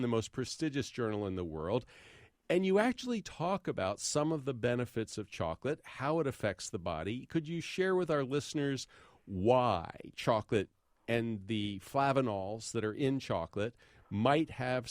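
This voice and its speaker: A man's voice: medium pitch, no echo. Male radio host, dry studio. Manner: articulate, leading questions with fillers like you know. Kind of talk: radio interview.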